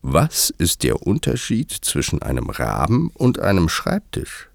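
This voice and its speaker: Mad Hatter: a man doing a deadpan odd hatter. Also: low voice, measured pace, creaky, dry recording, clean studio sound, exaggerated voice. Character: eccentric blunt male Hatter. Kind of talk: audiobook character voice.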